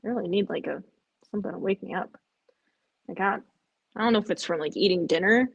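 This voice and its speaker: A woman's voice: mid-range voice, fairly quick, gravelly, husky, highs cut off. A woman hosting a live stream, chatting casually with viewers, sounding tired and rambling. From Chicago area. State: drowsy, yawning.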